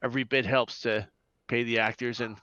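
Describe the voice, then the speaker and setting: A man speaking as an interview guest about his creative work, casual and somewhat halting. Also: medium pitch, level tone, pushed and bright, no room sound. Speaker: guest, audio drama creator. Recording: dull, band-limited sound.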